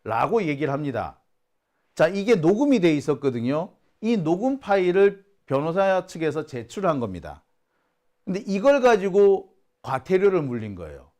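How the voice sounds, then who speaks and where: A man's voice: on the high side, big pitch swings, normal speed, darkish tone. A middle-aged man giving casual, indignant political commentary. He acts out the people he quotes and fires off rhetorical questions. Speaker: journalist host of a political channel.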